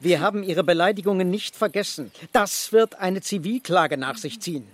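An actor playing a haughty, self-controlled hunter in an audio crime drama, formal and condescending. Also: male voice, high voice, normal speed, dry recording. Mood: stern.

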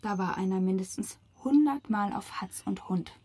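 An actress playing an angry, grieving environmental activist with an accusing, sarcastic manner in a radio crime drama. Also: female voice, medium pitch, moderate pace, mellow, breathy edge, close to an everyday voice.

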